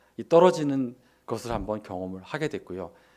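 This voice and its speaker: The man talks with lively intonation. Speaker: lay preacher. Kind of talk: sermon. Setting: church. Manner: fast.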